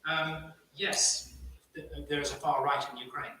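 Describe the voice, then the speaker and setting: A man speaking as a panelist, arguing a point in halting phrases with repeated words. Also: fairly high pitch, level tone, bright, forceful tone, a little hiss or hum. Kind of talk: impassioned debate argument. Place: live panel event in an echoey room. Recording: very echoey room, distant microphone.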